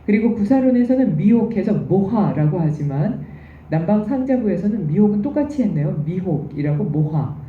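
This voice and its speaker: A woman's voice: mid-range voice, lively intonation, normal speed, a little hiss or hum. A woman giving a recorded university lecture, explaining terms patiently and step by step. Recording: echoey, distant, dull room recording.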